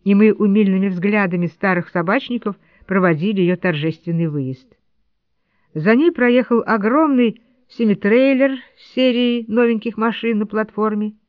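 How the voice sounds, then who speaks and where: A woman's voice: medium pitch, moderate pace, clean tone, no room sound. A woman narrating a first-person memoir as an audiobook, in a wry, lightly ironic storytelling manner. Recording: dull lo-fi dry studio read.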